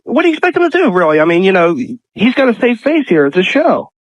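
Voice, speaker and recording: A man's voice: high-pitched, big pitch swings, fast, no room sound. A man acting as a radio sidekick, tossing needling remarks into casual comedic banter. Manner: needling, heckling interjections.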